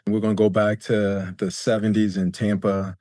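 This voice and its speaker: A male podcast co-host keeps things moving with short affirmations and loose segues into questions. His voice is fairly low. The recording is dry and close. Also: level tone, moderate pace, dark tone, dry recording. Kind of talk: casual interview talk.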